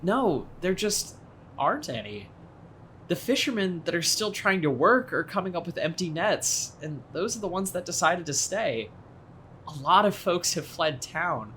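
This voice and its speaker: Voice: mid-range voice, fairly bright tone, a little hiss or hum, natural voice. A young adult actor playing a friendly, worried small-town boat owner in an audio drama, speaking in a conversational, earnest way. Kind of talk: naturalistic audio drama acting.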